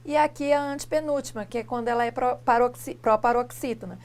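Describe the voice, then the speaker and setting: Higher-voiced woman teacher explaining grammar. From Brazil. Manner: asks rhetorical questions, spells out example words slowly. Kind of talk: classroom lesson dialogue.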